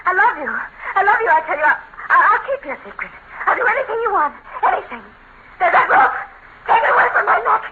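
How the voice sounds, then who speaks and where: A slangy streetwise dame, high and swoopy, old hissy radio play. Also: female voice, big pitch swings, fast. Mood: terrified pleading. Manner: slangy, streetwise, calls him kid. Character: brassy scheming young woman, blackmailer. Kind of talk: 1940s radio acting. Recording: lo-fi 1940s radio broadcast, loud hiss.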